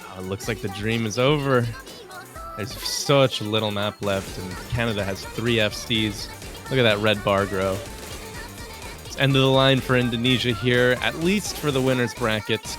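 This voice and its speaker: A man doing play-by-play commentary on a game tournament, relaxed and calling plays in short bursts. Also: fairly low pitch, normal speed. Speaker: esports commentator. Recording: game music playing underneath.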